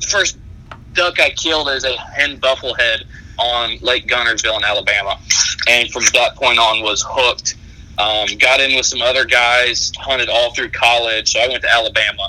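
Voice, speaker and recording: Noticeable background noise fills the recording. Through it, a man keeps a moderate pace. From US South, Georgia (born in Iowa). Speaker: duck call maker and hunter. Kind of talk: casual interview.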